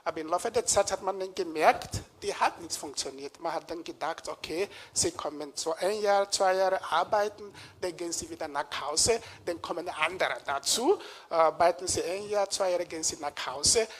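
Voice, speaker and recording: A man from Nigeria giving a public lecture in a lecture room, pausing often with hesitations as he searches for words. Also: sits high.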